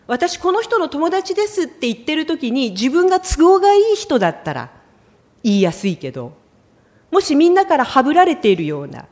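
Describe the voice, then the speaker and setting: A middle-aged woman preaching a sermon in an expressive storytelling way, often acting out the lines she quotes. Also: high-pitched, fairly quick.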